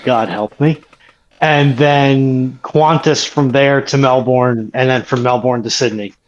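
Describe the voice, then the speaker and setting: A man's voice: medium pitch, fairly even intonation, takes it slowly. A man chatting casually as a guest on a live stream, heard over a dull, lo-fi link. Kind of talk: casual chat.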